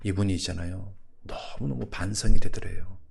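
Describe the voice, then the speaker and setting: A man's voice: low voice, fairly even intonation, normal speed, vocal fry, breathy edge. A male pastor preaching a sermon, keeps asking the congregation questions and telling a story with acted voices.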